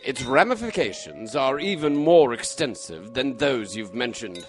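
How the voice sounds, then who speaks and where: An actor playing a shrewd, composed Victorian gentleman detective in a mystery drama, precise, formal and assured. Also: mid-range voice, big pitch swings, unhurried, faint music behind. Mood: wry, assured. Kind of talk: radio-style mystery drama acting.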